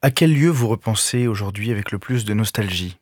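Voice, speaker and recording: A man's voice: lowish voice, animated, a little fast, darkish tone, husky, dry recording. Courteous radio host man, dry sound. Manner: courteous, attentive, prompting. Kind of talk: radio interview questions.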